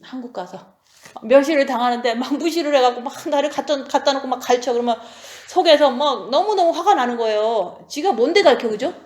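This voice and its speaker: A woman in her forties preaches in a loose, conversational way, often checking in with her listeners. Her voice sits a bit high, and it carries with a roomy echo around it. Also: fairly quick, darkish tone. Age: 40s. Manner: conversational, keeps asking the audience "right?". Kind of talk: sermon.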